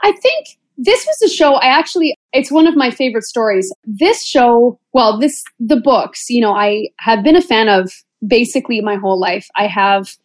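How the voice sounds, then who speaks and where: A woman speaks as the guest in an interview, answering in a conversational way. Her voice sits a bit high, and the recording is dry. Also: animated, normal speed, no echo. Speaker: interview guest, musical theater actress.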